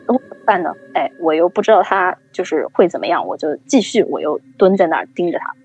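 A woman telling a story in casual chat, lively and acting out the people she quotes. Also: fairly low pitch, fast talker, breathy edge. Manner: animated storytelling, acts out quoted voices. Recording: dull lo-fi recording.

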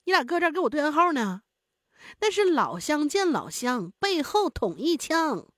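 Casting: a woman as a sly, sneering cannibal woman. She speaks low and drawn out, with a lively lilt and a dry, close sound. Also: moderate pace, no echo. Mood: mocking.

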